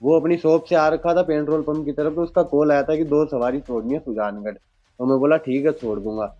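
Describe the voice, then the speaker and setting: A young man from Rajasthan, a driver telling a reporter what happened, in a plain and halting way. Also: on the high side, fairly even intonation, warm tone, faint music behind. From Rajasthan, India. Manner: plain, halting retelling with quoted dialogue. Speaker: taxi driver and witness. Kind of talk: news interview account. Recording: dull lo-fi sound.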